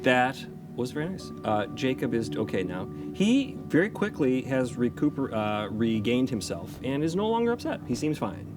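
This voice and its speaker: A man's voice: medium pitch, big pitch swings, moderate pace, far from the mic. A man playfully narrating an improvised roleplay game in a wordy, mock-formal way. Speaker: player in an improvised roleplay podcast. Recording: loud background music under voice.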